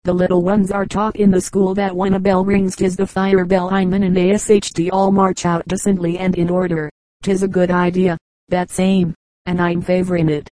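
A woman reading aloud, voicing a blunt Irish policeman in old New York with a lowered voice. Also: flat delivery, normal speed, dark tone, no echo, natural voice, rough recording. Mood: gruff. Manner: blunt dialect talk, plain-spoken.

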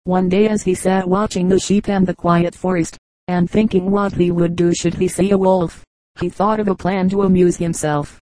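Low, mellow-voiced woman reading fables. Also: level tone, normal speed, no room sound, low-quality recording. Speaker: audiobook reader. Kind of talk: scripted storybook narration.

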